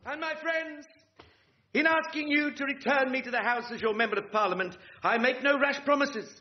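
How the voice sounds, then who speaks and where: A man's voice: very high-pitched, normal speed. An actor playing a pompous, deluded Englishman with political dreams, in a colloquial, oratorical manner for a radio sitcom. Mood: grandiose oratory. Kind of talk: radio sitcom acting before a live audience. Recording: dull, noisy radio sitcom recording with clicks.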